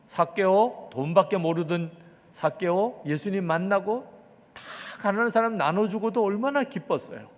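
Korean pastor guy preaching, bit high voice, big church echo, swings from loud crying out to hushed. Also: normal speed. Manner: storytelling, acting out prayers with sudden loud outbursts and soft drops. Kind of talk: sermon. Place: church sanctuary. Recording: church hall reverb.

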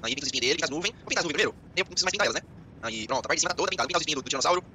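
A man with a Brazilian Portuguese accent giving casual let's-play commentary, excitable and joking, swearing and talking to himself as he plays. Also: on the high side, racing, a little hiss or hum. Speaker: gaming channel host.

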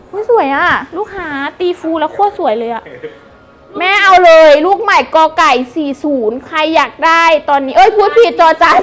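A woman selling on a live stream with fast, excitable hype, gushing and repeating prices while chatting to customers. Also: very high-pitched. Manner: chatty, addresses viewers with polite endearments. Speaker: live-stream seller of wholesale second-hand clothing.

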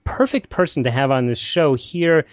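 A man's voice: medium pitch, moderate pace, no room sound, dull audio. Self-mocking man hosting a radio show. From Israel. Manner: rambling, self-deprecating, stumbles over words. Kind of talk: financial radio interview.

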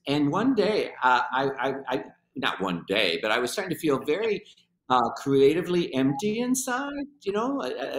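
A man's voice: mid-range voice, a bit bright. Reflective older man, echoey room. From Argentina. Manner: reflective, hesitant with many fillers. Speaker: guest, film teacher. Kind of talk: interview answers. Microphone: webcam on video call.

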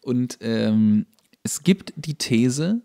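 A man with a mid-pitched, gravelly voice chats as a podcast co-host. He jokes casually, with a dry, grumbling sarcasm. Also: expressive, drawn-out words, dark tone. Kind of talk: casual comedic podcast banter.

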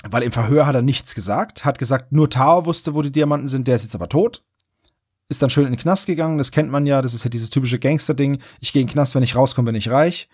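A man's voice: medium pitch, fast, a little mellow, slightly rough, no room sound, studio quality. A man co-hosting a podcast, recapping stories in a casual, conversational way. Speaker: podcast host. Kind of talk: casual plot recap chat.

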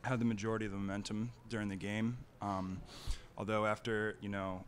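A man's voice: lowish voice, level tone, fairly quick, a little hiss or hum. A man in his early twenties, a college soccer player, giving a hesitant answer at a post-match press conference. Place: indoor press conference room, seated at table.

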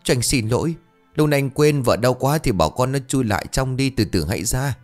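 In a told ghost story with soft background music, a man with a lowish, natural voice speaks in a brisk, animated way. He plays a panicky, bumbling young husband who blusters when flustered, pitching his voice slightly above his own. The mood is panicked.

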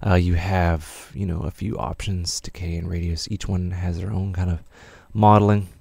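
Male music production tutor, offhand and unpolished, very low register with plenty of vocal fry. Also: little pitch movement, moderate pace, dark tone, dry recording. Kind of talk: casual software tutorial narration.

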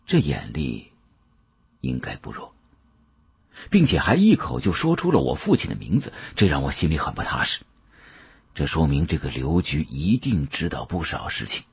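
Very deep, husky male storyteller. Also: no echo, dull audio. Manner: expressive storytelling, musing. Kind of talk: dramatic first-person audiobook narration.

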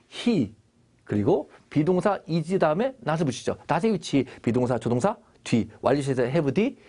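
A man's voice: on the high side, darkish tone, husky. A male English teacher giving a Bible-based grammar lesson, asking the class questions and answering them himself.

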